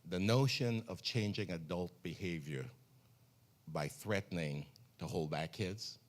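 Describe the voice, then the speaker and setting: A man on a panel, speaking in a measured way and conceding points as he argues. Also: low-pitched. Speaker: panelist on education policy. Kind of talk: panel discussion.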